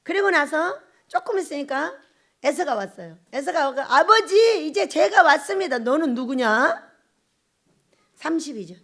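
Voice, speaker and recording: A woman pastor preaching a sermon in an emphatic, animated way, repeating lines and acting out quotes. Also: high-pitched.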